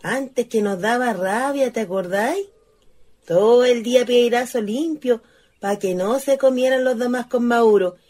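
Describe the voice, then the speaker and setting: An actress playing a chatty, wistful old spinster ghost in a radio play, with a rural Chilean accent and a folksy, exclaiming way of talking. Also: female voice, on the high side, measured pace, darkish tone. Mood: indignant, reminiscing. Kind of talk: stage-style radio play acting.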